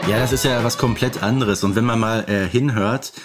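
A man's voice: lowish voice, normal speed, music in the background. Man chatting as podcast co-host. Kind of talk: casual fan podcast chat.

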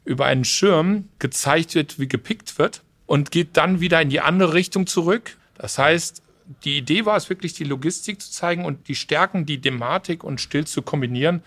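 A man's voice: a little high, normal speed, a bit bright. Businesslike man explaining logistics. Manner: explanatory, businesslike, many restarts. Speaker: logistics company representative, guest. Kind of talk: trade fair podcast interview.

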